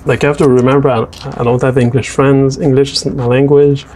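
Male French Canadian voice-over, native French speaker, hesitant and chatty, mellow tone, mid pitch. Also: flat delivery, brisk, slight background noise. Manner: hesitant, many restarts and fillers. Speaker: artist narrating a drawing video. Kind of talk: casual voice-over chat.

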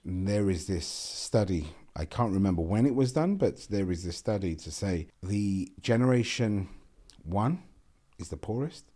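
A man's voice: deep voice, husky. A man in his forties with a South London accent, a podcast guest talking earnestly in a casual interview, often repeating his words. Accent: South London English. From South London, England. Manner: earnest, repeats words, animated with hand gestures. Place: small bright studio room with a window. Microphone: boom-arm podcast microphone.

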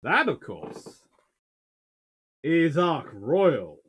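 Wry man, lively chatty delivery. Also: on the high side, very slow, a little hiss or hum. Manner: chatty, wry, with dry humour and frequent fillers. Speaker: naval historian answering viewer questions. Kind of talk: casual livestream Q&A. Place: small home study with bookshelves.

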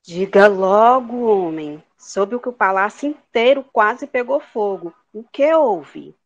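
A bossy, imperious queen and mother , acted by a woman in a comic audio drama. She talks slowly and theatrically, in a medium-pitched voice on a slightly dull recording. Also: expressive. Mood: impatient.

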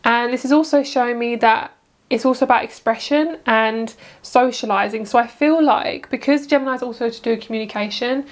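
At home, a talkative woman with a slightly high voice gives a casual pick-a-card tarot reading at a fairly quick pace. She rambles cheerfully, cuts herself off mid-thought, and drifts into asides before finding her way back.

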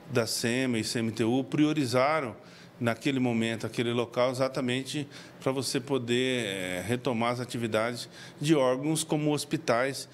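A middle-aged man with a Brazilian accent, a civil defense official, explaining into reporters' mics in a halting way with many fillers. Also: medium pitch, a little hiss or hum. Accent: Brazilian Portuguese. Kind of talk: press interview. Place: indoors before a press backdrop. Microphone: several handheld reporter mics.

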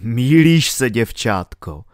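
A steady, level-headed starship captain played by a man reading aloud speaks in an even, reassuring tone. His delivery rises and falls with lively intonation. The sound is close and dry. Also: medium pitch, dry recording, close to an everyday voice. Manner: calm and reassuring. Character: calm steady adult male spaceship captain.

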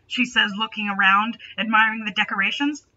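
A woman's voice: medium pitch, steady tone, fairly quick, pushed and bright, muffled recording. A young adult woman reading a story aloud with dramatic delivery and sarcastic, mocking asides. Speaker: host reading fan fiction aloud. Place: small bedroom, indoors.

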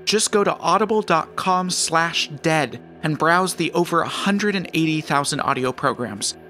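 A man's voice: fairly high pitch, lively intonation, moderate pace, sharp tone, slight background noise. A man reading a scripted sponsor message as the maker of a fiction podcast.

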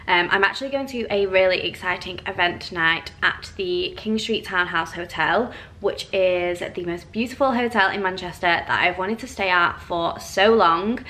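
A young woman, vlogging casually to camera, a little croaky from a cold, with lots of ums. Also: lowish voice, moderate pace, bright, forceful tone. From England. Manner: chatty, friendly, many ums. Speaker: beauty vlogger. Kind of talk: casual vlog chat to camera. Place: hotel room and tiled bathroom. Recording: echoey room sound.

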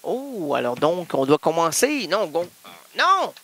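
A man's voice: a little high, big pitch swings, takes it slowly, pushed and bright. A man with a Québécois accent, a radio host bantering playfully, joking, teasing and laughing often, in a radio studio on a studio mic. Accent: Québécois French.

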